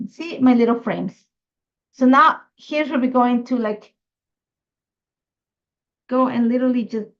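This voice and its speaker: A woman's voice: fairly high pitch, muffled recording. A middle-aged woman from Ecuador, chatty and thinking aloud as she hosts a live scrapbooking tutorial. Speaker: craft host.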